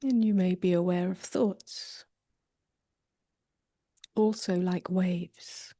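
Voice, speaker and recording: Woman, meditation teacher, very slow pace, even subdued intonation, soft near-whisper, gentle, long pauses. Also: on the low side, no echo, clean studio sound. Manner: soft, breathy delivery drifting toward a whisper. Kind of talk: guided meditation.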